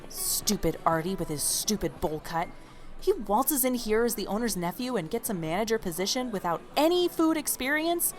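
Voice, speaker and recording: Fed-up diner waitress , woman actor, defiant, highly expressive pitch, natural podcast-drama delivery. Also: moderate pace, faint music behind, lightly acted. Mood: indignant. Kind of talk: naturalistic audio drama acting.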